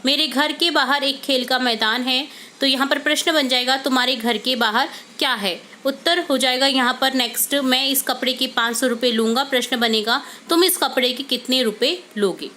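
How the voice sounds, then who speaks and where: A woman's voice: high voice, normal speed, sharp tone. A woman teacher going through workbook answers step by step, mixing English words into her explanations. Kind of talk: workbook solution lesson.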